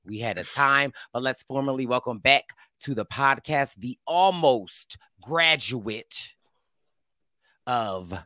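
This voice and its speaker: A man hosting a casual podcast chat, playful and quick to laugh, his voice a bit raspy this week. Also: mid-range voice, no room sound, studio quality. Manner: lively, laughing, playful teasing. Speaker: podcast host.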